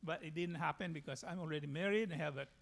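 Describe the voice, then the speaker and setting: A man from the Philippines with a Filipino accent, giving a personal church testimony in a halting way. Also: on the high side, creaky.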